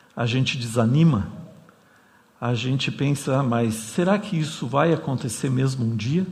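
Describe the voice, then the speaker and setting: With audible room echo, a man speaks at a fairly high pitch. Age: 60s. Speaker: preacher. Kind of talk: sermon. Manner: halting, many fillers.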